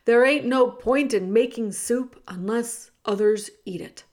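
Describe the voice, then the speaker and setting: A woman voicing a rough-spoken but soft-hearted kitchen cook who talks in a folksy dialect, coaxing and emphatic. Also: on the high side, unhurried, close to an everyday voice.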